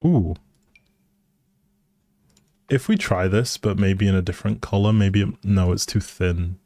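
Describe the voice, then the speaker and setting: A man's voice: low voice, unhurried, mellow, no room sound. A man giving casual live game commentary as a streamer, musing aloud in a hesitant way.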